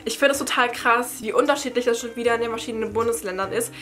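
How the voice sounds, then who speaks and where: A young woman from Berlin speaks in a fairly high, bright voice. She explains things in a chatty, informal way, as a study-advice vlogger would when answering questions to camera at home. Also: steady tone, quick pace. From Berlin, Germany. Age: young adult. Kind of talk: casual Q&A chat to camera. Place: bright attic room at home.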